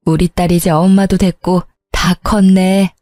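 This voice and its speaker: A woman voicing a caring middle-aged mother who talks softly and soothingly to her daughter. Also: on the low side, level tone, unhurried, no echo, faint music behind, natural voice. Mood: tender. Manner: soft and soothing.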